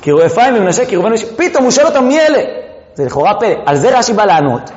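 Animated man teaching in an echoey hall. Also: high-pitched. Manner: animated, fires rhetorical questions, acts out the dialogue. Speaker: Torah teacher. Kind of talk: lively Torah lesson to a live audience. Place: lecture hall with listeners. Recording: echoey hall, dull lo-fi sound.

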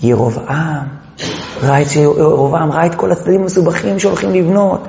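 Guy teaching torah to a room, high lively voice bouncing all over, keeps throwing questions at them, big echoey hall. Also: creaky. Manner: animated, fires rhetorical questions, acts out the dialogue. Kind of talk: lively Torah lesson to a live audience. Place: lecture hall with listeners. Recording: echoey hall, dull lo-fi sound.

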